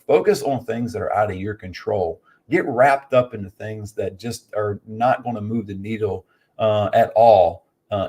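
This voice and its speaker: A man coaching in an informal motivational business talk, conversational, repeating key points for emphasis and often checking in with short tag questions. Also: fairly low pitch. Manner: conversational, emphatic repetition, frequent "right?" tags.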